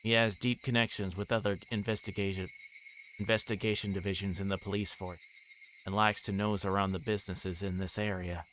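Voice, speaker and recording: A man with a fairly low voice reads a story game aloud for a livestream. He now and then trips on a line and corrects himself. There is clear background noise with chirping insects behind him. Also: level tone, a little fast. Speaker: streamer reading a visual novel aloud. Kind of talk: live read-aloud of a story game, with asides.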